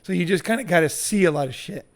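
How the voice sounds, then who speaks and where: A man telling lively anecdotes in casual talk, peppered with "like" and "you know" and some swearing. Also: high voice, quick pace. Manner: animated anecdotes, profane, lots of 'like' and 'you know'. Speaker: group member telling stories. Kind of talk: casual storytelling.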